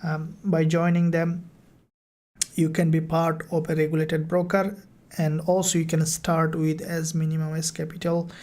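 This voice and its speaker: Female live-stream host and mentor. Low, very even delivery, halting phrasing, informal question-and-answer style.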